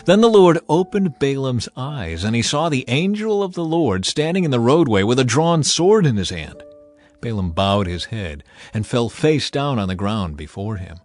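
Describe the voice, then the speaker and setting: A man's voice: mid-range voice, big pitch swings, normal speed, darkish tone. A man giving a solemn, scripted dramatic narration of scripture as a storyteller. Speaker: narrator of a dramatized audio Bible. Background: background music.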